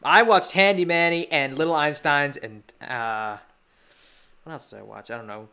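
A teenage boy talks through a solo podcast in a rambling, eager fan's way. His voice is bright and ringing, with a smooth, clean tone. The delivery is loose and chatty. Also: a little high, moderate pace. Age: teens. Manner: rambling, enthusiastic fan chat. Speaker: podcast host. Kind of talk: casual solo podcast talk.

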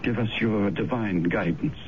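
A man playing a smooth-talking, sanctimonious character in a radio drama, deliberate and persuasive. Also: lowish voice, lightly acted. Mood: pious, persuasive. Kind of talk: 1970s radio drama acting. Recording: dull, noisy old radio broadcast recording.

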